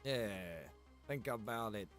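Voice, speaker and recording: A man's voice: mid-range voice, steady tone, slow pace, fairly bright tone, soft background music. An American man, a video game streamer, chatting casually during gameplay in a rambling, slangy, informal way with some mild swearing. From Pennsylvania, United States.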